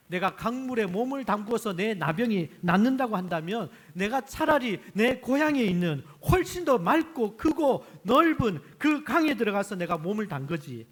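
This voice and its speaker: A man's voice: high-pitched, pitched above the performer's own voice. A man preaching acts out a proud army general who rants indignantly. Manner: indignant ranting, rising loud. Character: proud, furious foreign army general, male.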